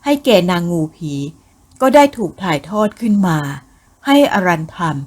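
A woman narrating a Thai ghost novel as an audiobook, with a measured, expressive reading. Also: medium pitch.

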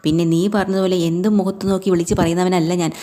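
A man's voice: high voice, flat delivery, fast talker, natural voice. A woman voicing an angry, domineering older father who scolds his son in a retold family story. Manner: scolding, shouting demands.

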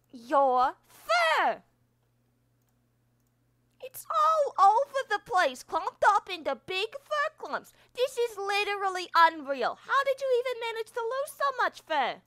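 Woman as a very high, bossy cartoon cat. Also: fairly bright tone, no room sound, exaggerated voice. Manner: scolding, exasperated. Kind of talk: character voice acting demo.

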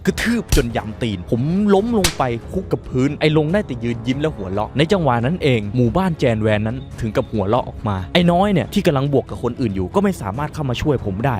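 A man's voice: mid-range voice, big pitch swings, quick pace, few pauses, music in the background. A man telling a dramatic first-person story in colloquial speech, emphatic and suspenseful.

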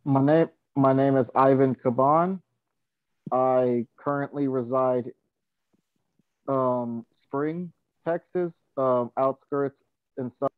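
Man, from Miami, slow and hesitant, tinny phone-like sound. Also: medium pitch, dry recording. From Miami, Florida. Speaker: guest director.

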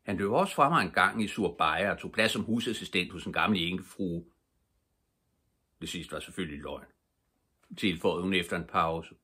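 Old guy with a deep husky voice reading a bedtime story, calm and steady. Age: older. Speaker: storybook reader.

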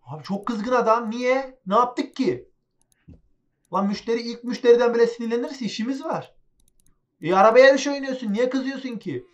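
A man chatting excitably as he plays a game, talking to his viewers and to the game characters. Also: very high-pitched, moderate pace, highs cut off. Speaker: gaming channel host. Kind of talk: casual let's-play commentary.

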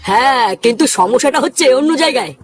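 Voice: high voice, lively intonation, quick pace, very noisy, voice pushed down. A performer voicing a polite older man, a bride's father, asking carefully about hiring caterers in a comic cartoon. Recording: loud background music. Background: music.

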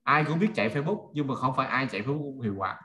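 A man with a Southern Vietnamese accent speaks as an online marketing trainer. His pitch is average and his delivery is informal, built on everyday examples and rhetorical check-in questions. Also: expressive, very fast, bright, forceful tone. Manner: conversational, checks listeners follow with rhetorical questions. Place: indoors on a video call.

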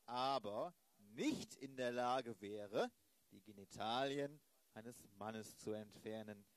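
A man's voice: fairly low pitch, no echo, rough recording. A man playing a stern older police inspector in an improvised comic audio drama, emphatic and repeating phrases.

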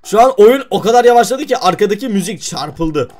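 A man giving playful, excitable let's-play commentary at his computer, often exclaiming and laughing as he talks to viewers. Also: high-pitched, a little fast. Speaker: gaming YouTuber.

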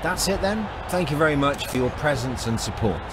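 An actor playing a determined, encouraging cricket team coach in a video game, speaking in emphatic, rehearsed lines. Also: male voice, fairly high pitch, animated, fairly quick, heavy background noise, natural voice. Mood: composed, confident. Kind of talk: scripted motivational speech and press answers. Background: music.

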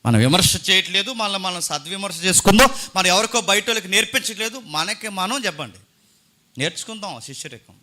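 A man's voice: sits high, lively intonation, fast, sharp tone. A man preaching a sermon as pastor, asking rhetorical questions and reading scripture aloud between colloquial asides.

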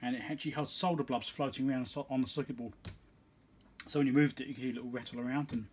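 A man's voice: mid-range voice, fairly even intonation, very fast, darkish tone, slight background noise. A man giving casual bench commentary as he works, thinking aloud in an offhand, muttering way like a repair technician. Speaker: electronics repair technician and video host. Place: small cluttered indoor electronics workbench.

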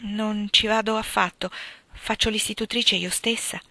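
A woman's voice: mid-range voice, fairly even intonation, measured pace, pushed and bright, no echo, pitched above the performer's own voice. A woman reading as a shy young governess. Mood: modest. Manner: modest and timid.

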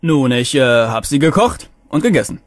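A man's voice: a little high, sing-song, moderate pace, no echo, clean studio sound. A man voicing a gleefully violent cartoon llama who feigns innocence with nonchalant evasions. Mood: sheepish evasive. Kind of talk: comedic cartoon dialogue.

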